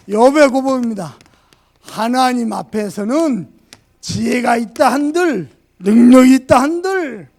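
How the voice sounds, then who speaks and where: Male pastor, fervent sermon delivery; very high, gravelly voice; loud peaks and hushed asides. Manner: fervent preaching, swinging from shouts to quiet asides. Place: church sanctuary.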